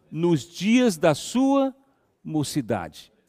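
A man's dark, mellow voice at a very slow pace, with very wide pitch swings. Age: 50s. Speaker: pastor. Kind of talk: sermon. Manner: halting.

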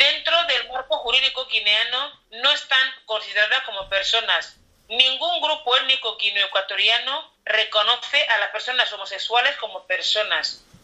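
A woman speaks in a high pitch at a fairly slow pace. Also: ordinary pitch variation, hardly any pauses. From Equatorial Guinea. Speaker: writer and human rights activist. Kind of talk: interview.

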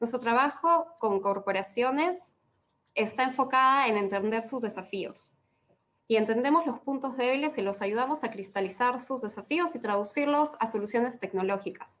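Here a woman with an ordinary speaking voice talks at a moderate pace in a fairly high pitch. Her pitch varies normally, and the recording is very clean with a silent background. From Peru, coast. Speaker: partnerships lead at a startup organization. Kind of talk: interview.

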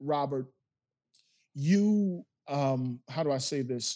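A man with an American accent speaks in a dark, mellow tone on a very clean recording with a silent background. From US South. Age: 50s. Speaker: police chief and preacher. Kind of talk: casual interview.

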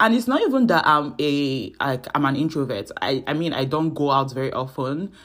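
A woman with a Nigerian accent, very deep and low in pitch, animated in tone with lively intonation, at a moderate pace with hardly any pauses, in a very clean recording with a silent background. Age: 20s. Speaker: podcast host and nursing student. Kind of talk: casual solo podcast monologue. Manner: chatty, animated, laughs often.

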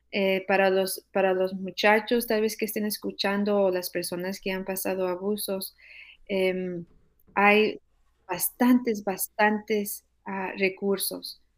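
Very slowly and in a monotone, flat intonation, a woman speaks on a very clean recording with a silent background. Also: medium pitch for a woman. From Ecuador, Quito. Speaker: nurse. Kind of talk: testimony.

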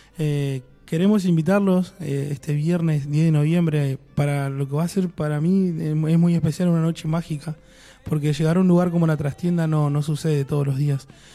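Delivery is fairly even in intonation and moderate in pace. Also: man, fairly high pitch for a man. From Argentina, Buenos Aires province. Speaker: folk musician. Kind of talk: radio interview. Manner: halting, with filler sounds.

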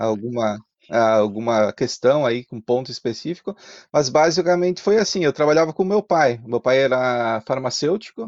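A man speaks in a normal speaking voice with a medium pitch. His intonation is lively and his pace moderate. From Serra Gaúcha, Rio Grande do Sul, Brazil. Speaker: chef. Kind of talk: casual chat.

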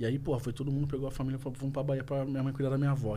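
The voice is somewhat breathy with a dark, mellow tone, and audible room echo surrounds it. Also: man. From São Paulo (Itaquera), Brazil. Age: 30s. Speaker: investment firm founder. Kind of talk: casual chat.

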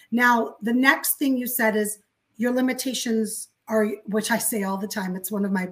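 A woman's somewhat breathy, fairly high voice at a moderate pace. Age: 50s. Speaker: podcast host and business coach. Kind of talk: interview. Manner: animated.

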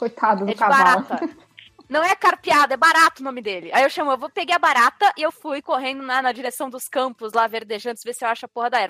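A woman projects a raised, high-pitched voice with a bright, sharp tone and lively intonation. She speaks at a very fast pace, with a dry, close sound and no echo. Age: 20s. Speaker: gamer, podcast panelist. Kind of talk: casual chat.

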